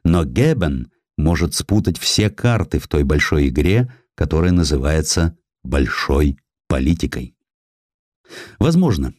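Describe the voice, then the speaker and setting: Deep male audiobook guy, dramatic history narration, super expressive, dry close sound. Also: no room sound.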